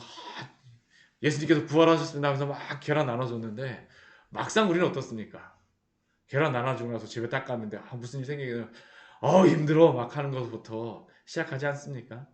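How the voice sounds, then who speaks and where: A man preaching a sermon as pastor, animated and asking the listeners rhetorical question after rhetorical question. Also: medium pitch, reverberant. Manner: animated, acts out the people he describes. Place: church sanctuary.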